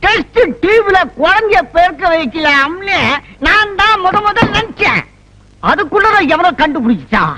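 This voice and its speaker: A woman's voice: extremely high pitch, very animated, normal speed, background noise. A woman playing a boastful, eccentric doctor who brags about her inventions in comic film acting. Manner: pompous, bragging, scolding.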